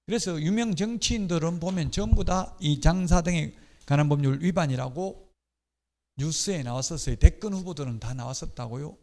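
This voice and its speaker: Here the same kind of exam-prep lecture on real estate law is led by a middle-aged man with a slightly high, mellow voice. He explains patiently, mixing in offhand personal remarks, while the sound carries a long, hall-like reverb.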